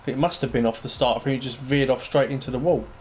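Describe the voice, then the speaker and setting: A man's voice: medium pitch, steady tone, fast talker, darkish tone, slight background noise. A man hosting a casual post-race interview, matey and chatty with frequent ums and restarts. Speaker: interview host.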